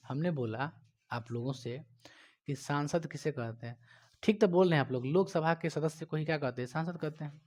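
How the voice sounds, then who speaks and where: A male teacher with a Bihari Hindi accent, giving a classroom lecture, quizzing his students and scolding them, loud one moment and quiet the next. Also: mid-range voice. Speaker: coaching teacher.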